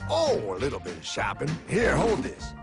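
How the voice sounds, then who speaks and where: A man's voice: medium pitch, wildly swooping pitch, normal speed, over loud music. A man with an American accent playing a wry, indignant cartoon character who lectures his pal in a theatrical, folksy way. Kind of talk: animated explainer storytelling.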